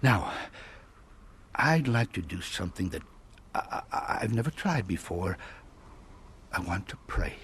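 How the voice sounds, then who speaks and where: An actor playing a grieving, gentle gypsy father in a radio drama, speaking haltingly. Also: sits low, big pitch swings, slight background noise, full character voice. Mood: hesitant, solemn. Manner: hesitant, halting.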